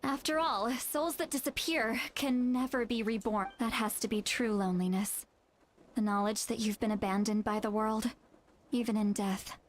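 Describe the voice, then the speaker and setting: A woman's voice: a little high, steady tone, moderate pace, slight background noise, natural voice. A woman playing a blunt, solemn tribal shaman in a video game, explaining with authority over music. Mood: grave. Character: Citlali, blunt, solemn female tribal shaman, knowing and commanding.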